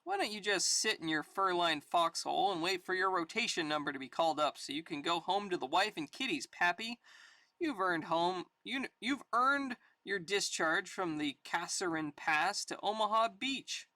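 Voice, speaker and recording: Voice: medium pitch, expressive, moderate pace, pushed and bright, no echo. A person reading aloud a tough, weary army sergeant from a war comic in dramatic style. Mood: tough, wry. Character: tough weary army sergeant, gruff battle-hardened narrator.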